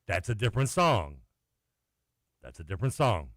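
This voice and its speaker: A man co-hosts sports talk radio with a lively, swooping, bright voice, quick to laugh at himself. He is recorded close on a dry studio mic with no echo. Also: fairly low pitch. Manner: excitable, self-mocking, laughs often. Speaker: radio co-host. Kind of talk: casual radio banter. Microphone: studio microphone.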